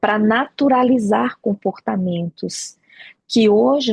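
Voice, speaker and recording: A woman's somewhat breathy, fairly high voice with lively intonation at a very slow pace, dry and close with no echo. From Brazil, Ceará countryside. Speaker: geography professor, author. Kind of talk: interview conversation. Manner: articulate, academic.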